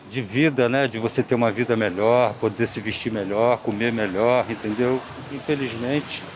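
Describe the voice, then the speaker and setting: Speaking at a moderate pace with medium pitch and fairly even intonation, a man is heard over noticeable background noise. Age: 70s. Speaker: working retiree interviewed in street. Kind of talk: vox pop interview.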